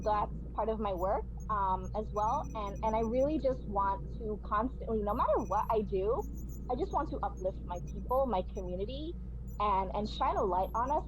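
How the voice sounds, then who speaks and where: A woman's voice: on the high side, slight background noise, poor audio. A woman from New York City, guest on a podcast, talking earnestly and passionately, often restarting her sentences. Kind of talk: heartfelt interview talk.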